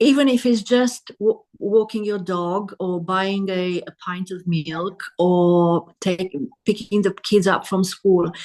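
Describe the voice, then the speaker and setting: A woman with a slight Romanian accent at a very slow pace, with fairly even intonation and a quiet background. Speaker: widow and grief coach. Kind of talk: interview. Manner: halting.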